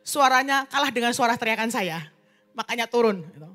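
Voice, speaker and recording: A woman evangelist preaching a sermon, telling a personal testimony in a lively storytelling way and speaking directly to the congregation. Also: fairly high pitch, fairly quick.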